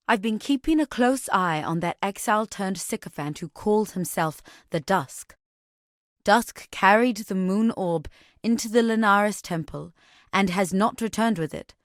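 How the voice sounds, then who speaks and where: Actress as solemn tribal woman, video game ally, lowish pitch, poetic and measured, earnest, close dry recording. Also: no room sound, close to an everyday voice. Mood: solemn, resolute. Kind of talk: scripted video game character dialogue.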